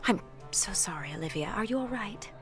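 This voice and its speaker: Woman acting a lively, commanding society hostess. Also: mid-range voice, fairly quick, over music, close to an everyday voice. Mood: soothing. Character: commanding, composed society hostess and protective mother. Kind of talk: scripted audio drama acting.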